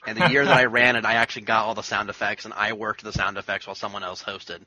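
A man's voice: lowish voice, flat delivery, fast, pushed and bright, no room sound, highs cut off. A man co-hosting a podcast in casual chat, rambling and repeating words as he starts his sentences. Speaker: podcast co-host.

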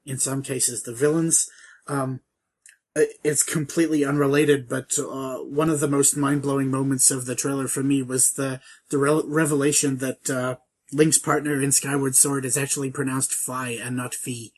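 A man's voice: medium pitch, level tone, breathy edge. A man co-hosting a podcast, chatting casually about a video game with hesitant restarts. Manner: hesitant, many restarts, measured. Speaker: podcast co-host.

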